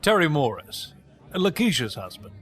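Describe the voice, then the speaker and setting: Lively, polite husband. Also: male voice, on the high side, moderate pace, soft background music. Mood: genial. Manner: polite, genial. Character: polite, mild detective's husband, paint warehouse man. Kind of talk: full-cast audio drama acting.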